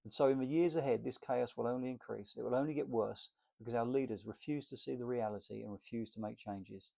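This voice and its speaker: A man's voice: medium pitch, fast, creaky, dark tone. A man reading a political essay aloud in an emphatic, list-like delivery. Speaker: reader.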